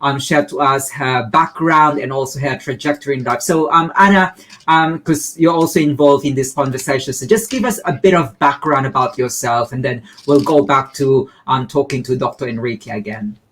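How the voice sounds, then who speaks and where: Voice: medium pitch, normal speed, fairly bright tone. An interview host asking questions hesitantly, with frequent ums, on a video call.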